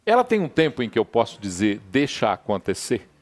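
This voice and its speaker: A man's voice: mid-range voice, huge pitch swings, fast talker. A man co-hosting a radio talk show, asking long questions and thinking aloud about the topic. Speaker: radio co-host.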